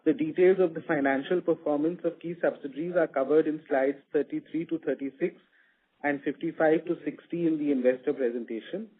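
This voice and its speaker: Male corporate presenter, Indian accent, rough-edged voice, formal scripted delivery, thin telephone sound. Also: on the high side, fairly even intonation, fairly quick. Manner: formal, methodical reading of figures. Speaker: bank executive presenting quarterly results. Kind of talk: scripted earnings call presentation. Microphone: telephone conference line. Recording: muffled narrow phone-line conference call.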